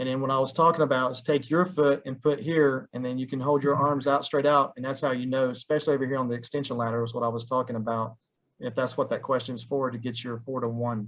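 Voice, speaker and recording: Against a quiet background, a man with a Southern US accent and medium pitch talks with fairly even intonation and hardly any pauses. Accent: Southern drawl. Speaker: ladder safety trainer. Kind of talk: webinar presentation and Q&A. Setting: online webinar.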